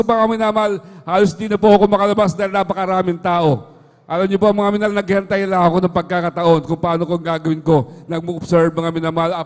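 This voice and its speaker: A man's voice: high-pitched, a little mellow. A man giving an earnest testimony at a worship service, repeating a fond address to the listeners after nearly every phrase. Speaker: church member giving testimony. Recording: long hall reverb.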